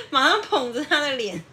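A woman, a mother of a young child, chatting casually and telling lively family stories, often laughing and acting out voices. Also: on the high side, a little fast, a little hiss or hum. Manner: animated storyteller, acts out child's voice, laughs often. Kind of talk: casual chat.

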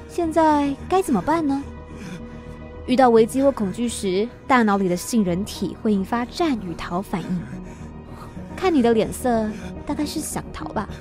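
A woman acting a cocky, lively-voiced female scientist. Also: a little high, lightly acted. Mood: taunting. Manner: taunting, clever, expressive. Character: cool, cocky, analytical female brain scientist. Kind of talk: Mandarin radio drama acting.

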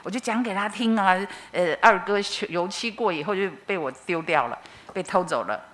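A middle-aged woman with a Taiwanese Mandarin accent shares a personal testimony at church, telling her story expressively. Her voice is on the low side and her pace is moderate.

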